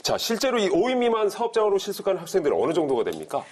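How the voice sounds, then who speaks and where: A man hosting a talk show, leading questions and reacting with quick interjections. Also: high-pitched, sing-song, a little mellow. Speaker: host.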